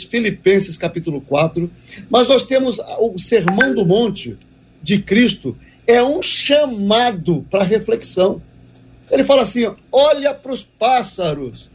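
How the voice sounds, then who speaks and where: High, husky-voiced man preaching emphatically. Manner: emphatic, repeats key phrases. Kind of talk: devotional teaching talk.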